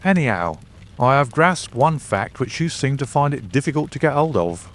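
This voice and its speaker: A man's voice: mid-range voice, very animated, normal speed, fairly bright tone, slight background noise, voice pushed up. A man voicing a stubborn, practical male police inspector in a storybook, emphatic and matter-of-fact. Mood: testy, stubborn. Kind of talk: storybook character dialogue.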